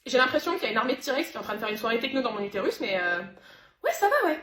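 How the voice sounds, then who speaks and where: A woman's voice: fairly high pitch, big pitch swings, rapid-fire, noisy background. A woman voicing a young woman suffering period pain, sarcastic and exasperated. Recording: roomy echo.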